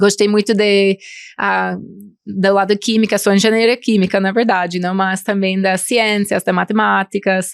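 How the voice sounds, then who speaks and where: A woman with an American accent speaks in a flat monotone at medium pitch and a moderate pace, her loudness very even, in a very clean, dry, close recording with no echo and a silent background. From Virginia, US, near Washington DC. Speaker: company founder and CEO. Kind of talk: interview. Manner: hesitant, many filler sounds.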